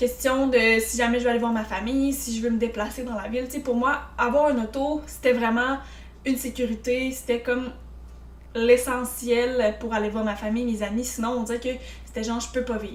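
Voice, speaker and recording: With a Quebec accent, a woman speaks at a high pitch and a moderate pace. There is audible room echo. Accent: Québécois French. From Quebec, Drummondville. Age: 20s. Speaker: vlogger, student. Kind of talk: casual vlog monologue. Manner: casual, many fillers.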